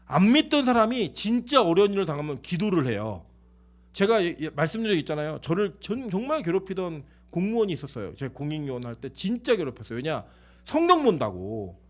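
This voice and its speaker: A man preaching a sermon as pastor, telling stories animatedly, acting out the people in them and putting questions to the congregation before answering them himself. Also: high-pitched. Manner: animated storytelling, acts out quoted people.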